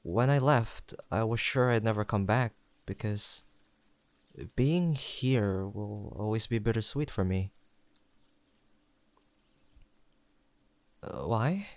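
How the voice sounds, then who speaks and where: Male actor as teasing young best friend, lowish voice, dry sound, gentle, sincere, conversational audio roleplay. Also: unhurried, no echo. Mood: wistful, hesitant. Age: young adult. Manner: gentle, playful, sincere, chatty.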